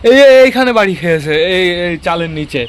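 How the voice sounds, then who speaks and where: A man's voice: sits high, expressive, fast talker, slight background noise. A man from West Bengal vlogging casually about his pigeons at his home loft, chatting to viewers and calling out to the birds. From West Bengal, India. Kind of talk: casual vlog narration.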